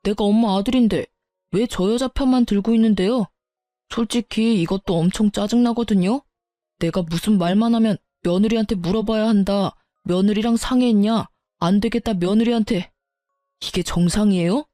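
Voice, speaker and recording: A selfish, entitled grown son whines and waves off his parents, voiced by a woman in a story reading. The tone is dark and mellow, recorded close and dry. Faint music sits under the voice. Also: medium pitch, moderate pace, no room sound, natural voice. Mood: whiny. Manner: whiny, dismissive complaining.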